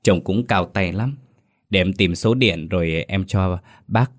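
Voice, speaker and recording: A man's voice: low-pitched, unhurried. A man voicing a younger village funeral musician who speaks thoughtfully and helpfully.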